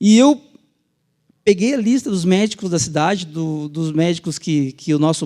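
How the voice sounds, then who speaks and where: Speech comes at a fairly slow pace in a strong Paraná accent. The tone is dark and mellow. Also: man. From Paraná, Brazil (Sengés, Campos Gerais). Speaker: pastor. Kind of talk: sermon.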